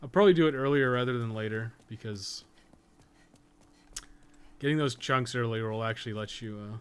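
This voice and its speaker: A man who streams games and makes guides chats with viewers while giving casual, candid live gameplay commentary. His voice is smooth and medium-pitched, his pace moderate, his manner informal and conversational.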